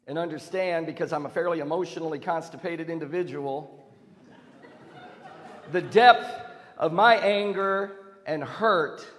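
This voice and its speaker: A male pastor preaching in a loose, conversational way, with self-deprecating asides. His voice sits high for a man. It rings out with a long reverb in a church sanctuary. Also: fairly bright tone. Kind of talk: sermon.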